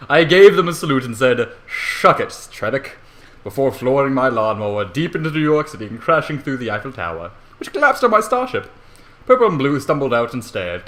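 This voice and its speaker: A man's voice: mid-range voice, a bit bright. A man narrating a comedic story theatrically, with irreverent, sweary asides. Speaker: amateur fan fiction reader.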